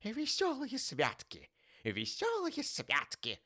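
Man doing a cheerful young nephew, earnest, bright tone, audiobook. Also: high-pitched, wildly swooping pitch, slow pace, pitched above the performer's own voice, exaggerated voice. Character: cheerful warm-hearted young male nephew.

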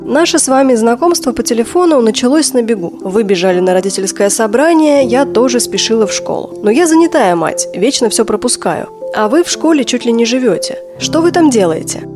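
A woman reporter asking brisk, direct questions in a podcast interview. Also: fairly high pitch, expressive, over music.

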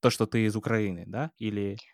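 A man's voice: lowish voice, steady tone, fairly quick, darkish tone, no echo, studio quality. A man hosting a podcast, asking questions hesitantly and searching for words. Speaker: podcast host. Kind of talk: interview questions.

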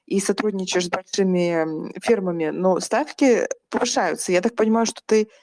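A woman's voice: mid-range voice, normal speed, a little mellow, no room sound. A woman hosting an interview podcast, asking questions and murmuring along as she listens. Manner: attentive, frequent listening murmurs. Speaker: podcast host. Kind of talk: casual interview conversation.

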